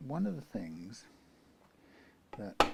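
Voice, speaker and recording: Very noisy audio captures a British man whose low, creaky voice is very animated yet slow-paced. Narrating a workshop guitar repair, he rambles along, corrects himself and drops dry remarks.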